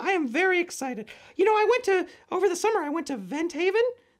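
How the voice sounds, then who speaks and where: A put-on character voice, extremely high and nervous, racing at a very fast pace in a very clean recording with a silent background. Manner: nervous, excitable.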